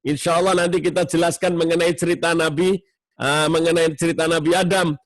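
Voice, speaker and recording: A man giving a sermon to a mosque study circle, explaining with warmth and acting out tones of voice in his examples. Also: fairly high pitch, little pitch movement, brisk, dry recording.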